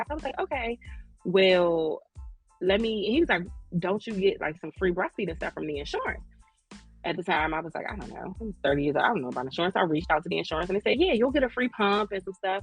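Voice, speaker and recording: In a lowish, slightly rough voice, a woman in her thirties from Maryland shares casual stories on her podcast, joking and using slang in an African American English accent. She co-hosts the show and works as a lactation consultant.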